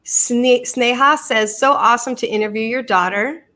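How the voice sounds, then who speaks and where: A middle-aged American woman hosts a live podcast, chatting casually and affectionately with her daughter in a casual live-stream conversation. Her voice sits on the high side and moves at a normal speed, with a bright, forceful tone, and she often repeats words as she begins a thought.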